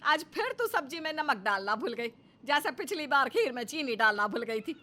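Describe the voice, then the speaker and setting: Lady doing a nagging old saas in a cartoon, scolds a lot, kinda high voice. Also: very animated, moderate pace, bright, forceful tone, heavily acted. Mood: scolding. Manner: scolding, theatrical sighs. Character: grumbling elderly mother-in-law, dramatic. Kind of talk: cartoon story voice acting.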